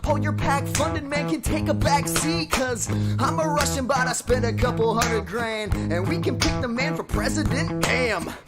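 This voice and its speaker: A woman's voice: high-pitched, normal speed, hardly any pauses, lightly acted. A woman singing a comic song as a playful Russian bot. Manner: playful, sung over guitar.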